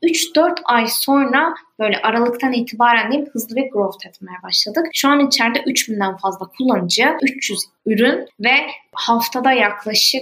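At a fairly slow pace, this woman talks in a high voice. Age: 20s. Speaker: startup founder. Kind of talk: interview.

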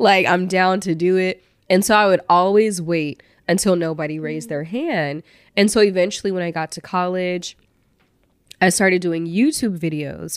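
This woman keeps her intonation fairly level while talking at a middling speed. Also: medium pitch for a woman. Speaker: podcast host. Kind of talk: casual chat. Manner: direct.

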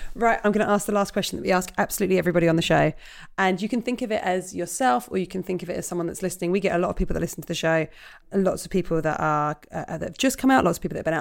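A woman's fairly low voice with ordinary pitch variation, very fast delivery and a southern English accent. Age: 30s. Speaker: podcast host. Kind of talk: interview. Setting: remote call.

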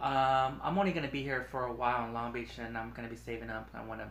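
Fairly quick speech from a man with an American accent, over noticeable background noise. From Los Angeles area, California. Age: 30s. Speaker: podcast fan and grocery store worker. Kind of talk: casual chat.

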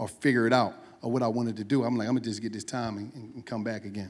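In an American accent, a man speaks at a very fast pace with fairly even intonation.

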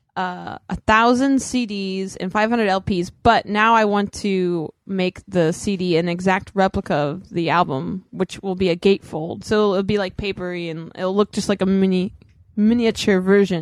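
A woman speaks at medium pitch in a normal speaking voice, at a fairly slow pace with hardly any pauses and fairly even intonation, in a dry, close sound with no echo. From Italian-American. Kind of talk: casual banter, comedic chat.

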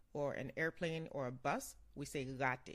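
A woman with a Haitian accent speaks with fairly even intonation. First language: Haitian Creole. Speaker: language teacher. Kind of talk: tutorial. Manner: slow, repetitive pronunciation drills.

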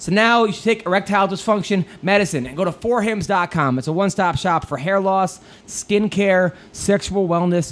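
A man's voice sits at a high pitch amid noticeable background noise. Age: 40s. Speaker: podcast host and comedian. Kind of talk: casual chat. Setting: studio.

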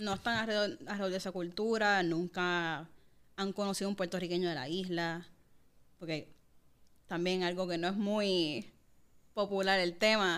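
In a very clean recording with a silent background, a woman at medium pitch talks at a moderate pace with fairly even intonation and long, frequent pauses. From Puerto Rico, Bayamón. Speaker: marketing executive and content creator. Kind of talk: casual chat.

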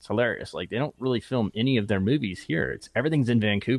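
A man is speaking. His voice has vocal fry. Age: 40s. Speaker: car enthusiast. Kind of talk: casual chat.

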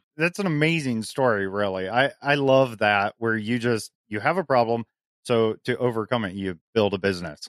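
A man with a plain, everyday voice speaks at a moderate pace and medium pitch with lively intonation, the sound dry and close with no echo over a quiet background. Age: 30s. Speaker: podcast host. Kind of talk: casual chat; listener question reading.

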